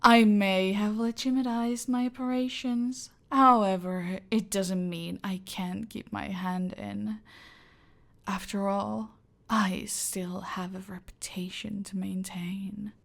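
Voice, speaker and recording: Woman as a female cartel boss, whispered, gravelly fry, very slow, menacing, ASMR roleplay. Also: mid-range voice, fairly even intonation. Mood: silkily menacing. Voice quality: soft, close whisper. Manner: slow, deliberate, menacing, controlling.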